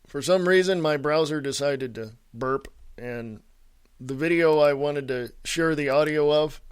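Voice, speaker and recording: A man's voice: on the high side, measured pace, clear, resonant tone, dry recording. A man hosting a radio show, talking casually off the cuff in a folksy, rambling way.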